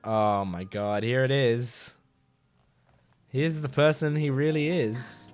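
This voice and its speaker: Raspy, under-the-weather guy hosting a reaction channel, chatty and full of fillers, faint music underneath. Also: mid-range voice, slow pace. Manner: rambling, many fillers, excited exclamations while watching. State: sick with a lost, gravelly voice, coughing. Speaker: anime reaction YouTuber. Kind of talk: casual chat to camera, reacting to an episode.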